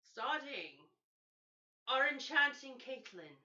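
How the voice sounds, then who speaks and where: A woman running a tabletop fantasy game as game master, narrating in a theatrical, drawn-out storyteller manner. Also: high voice, sing-song, bright, forceful tone. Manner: dramatic, drawn-out storyteller delivery. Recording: echoey, dull lo-fi room.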